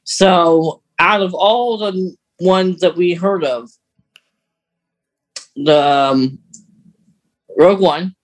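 Man podcaster with a higher voice. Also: drawn-out words, long pauses, low-quality recording. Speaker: podcast host. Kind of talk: casual chat discussing a story.

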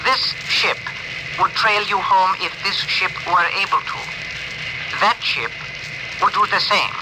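An actor playing a gentle alien ship's communicator who speaks in stiff, oddly formal phrases, in a 1950s radio drama. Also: male voice, sits high, a little slow. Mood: solemn. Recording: hissy old radio broadcast.

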